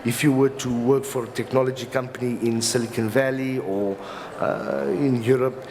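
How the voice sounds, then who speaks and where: Man, South African accent, middling pitch, hesitant explanatory talk, repeated words, echoing hall, clearly noisy recording. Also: steady tone, normal speed. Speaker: company lawyer speaking as a summit panelist. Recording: reverberant hall with clear background noise.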